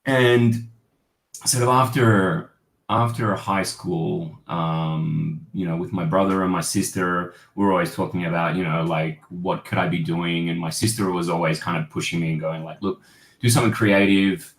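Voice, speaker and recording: A man's voice: sits low, steady tone, normal speed. A man, a guest photojournalist talking over a video call, reflective and rambling with many fillers. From Australia. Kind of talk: casual interview storytelling. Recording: roomy home-office echo.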